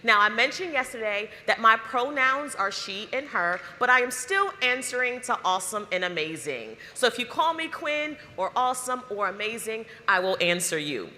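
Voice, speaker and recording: A woman's voice: fairly high pitch, very animated, normal speed, hardly any pauses, bright, forceful tone. A woman hosting a live conference as emcee, upbeat and hyping the crowd with questions. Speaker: event emcee. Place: large conference hall. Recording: hall reverb.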